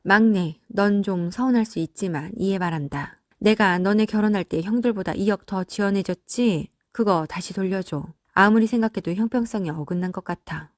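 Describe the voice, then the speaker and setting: A woman's voice: mid-range voice, moderate pace, hardly any pauses, dry recording, clean studio sound, natural voice. Hurt, firm older mother voiced by a woman. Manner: reproachful, resolute.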